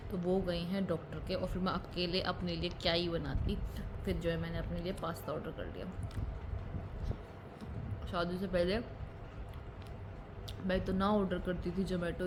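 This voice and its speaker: A young woman from India chatting casually to her viewers as a vlogger, talkative and quick to laugh, filming on a phone around her family home. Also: fairly low pitch, steady tone, noisy background. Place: family home, indoors and outdoors.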